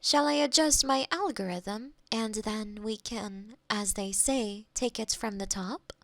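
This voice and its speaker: A woman's voice: mid-range voice, a little slow, fairly bright tone, dry recording. A woman playing a polite AI girlfriend eager to please, speaking in stilted, precise phrases in an intimate close-miked roleplay. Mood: calm, clinical. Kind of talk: scripted intimate roleplay audio. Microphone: close binaural microphone.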